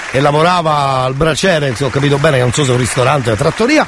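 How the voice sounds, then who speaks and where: Against crowd noise in the background, a man speaks very fast in an animated tone. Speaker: radio host. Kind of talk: casual chat. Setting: studio.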